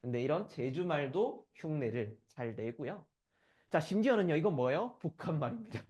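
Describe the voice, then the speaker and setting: A man's voice: on the high side, lively intonation, normal speed, a little mellow. A man from the Gyeongsang region giving a conference lecture, often asking the audience for agreement as he goes. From Gyeongsang region, South Korea. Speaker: conference speaker.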